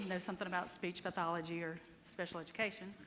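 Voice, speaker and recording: A woman talks at a very fast pace in a Southern US accent. Audible room echo surrounds her voice. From US South. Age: 50s. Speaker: speech therapist. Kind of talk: conference talk. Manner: halting.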